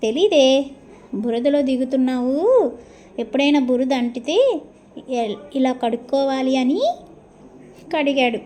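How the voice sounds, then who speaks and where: A woman's voice: high-pitched, fairly even intonation, measured pace, pauses often, darkish tone. A woman doing a teasing joke husband. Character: grumbling husband, middle-aged, teasing.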